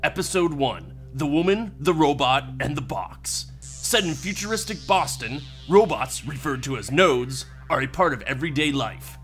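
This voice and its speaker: A man's voice: a little high, lively intonation, normal speed, fairly bright tone. A man reading scripted introductions and narration as the announcer of a radio play podcast. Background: music.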